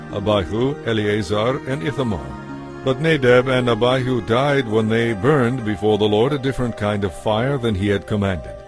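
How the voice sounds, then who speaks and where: A man narrates scripture in a somewhat low voice. His reading is measured and formal, clearly scripted, with music plainly heard behind him.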